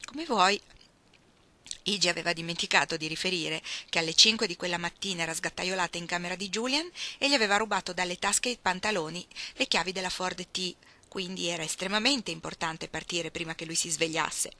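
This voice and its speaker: Woman reader, expressive audiobook narration, bright clear tone. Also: lowish voice, fast, few pauses. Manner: expressive storytelling. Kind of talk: audiobook reading of a novel.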